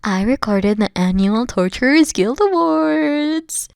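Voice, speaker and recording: High-pitched, dorky evil queen played by a woman. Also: animated, takes it slowly, vocal fry, darkish tone, smooth, no echo, clean studio sound, full character voice. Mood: playful, imperious. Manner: pompous, theatrical, easily flustered. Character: dorky, haughty, secretly soft evil queen. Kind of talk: playful roleplay audio acting.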